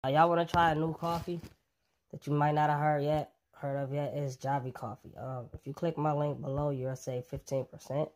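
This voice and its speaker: A fitness vlogger casually pitching a coffee to his viewers, relaxed and chatty, with plenty of ums. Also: normal speed, a little hiss or hum.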